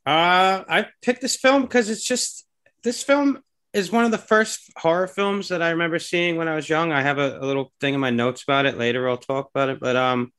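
A man's voice: on the high side, fairly quick, fairly bright tone, smooth. A man with a Long Island accent, co-hosting a podcast in loose, rambling casual chat full of fillers. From New York. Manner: laid-back, rambling with fillers. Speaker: podcast co-host.

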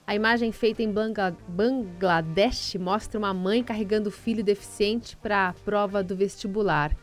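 A Brazilian woman hosting a morning radio news show, reading stories in a friendly, brisk way. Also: mid-range voice, steady tone, faint music behind. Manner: friendly, brisk, sometimes stumbles over names. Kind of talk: news reading with light chat.

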